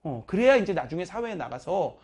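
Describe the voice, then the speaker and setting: Woman math teacher, blunt pep talk, husky voice, animated swings in pitch. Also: fairly quick. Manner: blunt, emphatic, chatty, scolding banter. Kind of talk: casual motivational talk to students.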